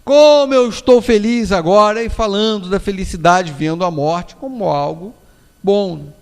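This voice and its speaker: A man's voice: sits high, normal speed. Man, Brazilian accent, public lecture, anecdotal, acts out quoted voices, long reverb. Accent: Brazilian Portuguese. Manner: storytelling, acts out quoted voices, frequent tag questions. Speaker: spiritist lecturer. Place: lecture hall.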